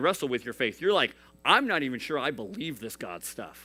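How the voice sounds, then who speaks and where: A man talks at a fairly quick pace in a bright, sharp tone with vocal fry. His pitch swings very widely. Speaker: youth pastor. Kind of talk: sermon. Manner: loud.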